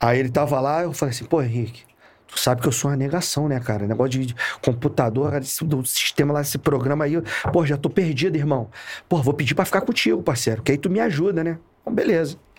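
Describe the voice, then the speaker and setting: A man talks very fast at a fairly high pitch, somewhat breathy. His pitch varies in an ordinary way. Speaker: police inspector. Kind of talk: casual chat. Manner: talkative; animated.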